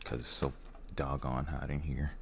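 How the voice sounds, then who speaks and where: A soft-spoken American man playing a rude, jaded warehouse hiring manager in an ASMR role-play, blunt, halting and apathetic. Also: rumbling low, little pitch movement, gravelly, heavily acted. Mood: blunt, indifferent. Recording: faint background noise.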